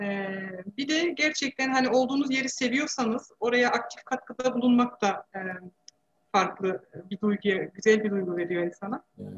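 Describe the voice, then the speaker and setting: A woman speaks at a high pitch and a moderate pace. Her pitch variation is ordinary, and the background is quiet. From Germany (Turkish-origin family, Hesse). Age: 30s. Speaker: teacher and local election candidate; election candidate. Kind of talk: interview. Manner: hesitant, many fillers. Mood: friendly, smiling. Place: home room. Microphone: video call.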